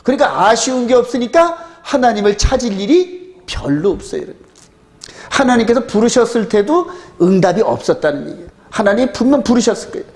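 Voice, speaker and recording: A man's voice: very high voice, big pitch swings, fairly quick, a little mellow. A man pastor preaching a sermon, emphatic and addressing the congregation with rhetorical questions.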